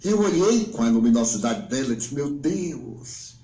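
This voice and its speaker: A man in his nineties with a Brazilian Portuguese accent, giving a spiritual talk as an emotional story, swinging between hushed and exclaiming. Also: medium pitch, very animated, a little fast, reverberant, poor audio. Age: 90s. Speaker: spiritual speaker.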